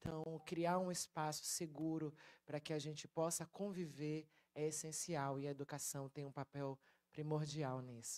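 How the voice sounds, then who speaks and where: A woman speaks fairly slowly in a very deep, low voice with a dark, mellow tone and flat, monotone intonation. The sound is dry and close, with no echo. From Brazil, Recife (Northeast). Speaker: former state politician and speaker. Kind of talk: public lecture.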